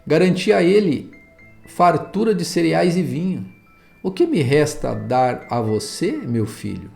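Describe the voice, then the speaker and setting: A grave old patriarch speaks in a slow, solemn and measured way , read by a Brazilian pastor. His voice is gravelly and mellow, with a Brazilian accent. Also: a little high, very animated, faint music behind, exaggerated voice. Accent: Brazilian Portuguese.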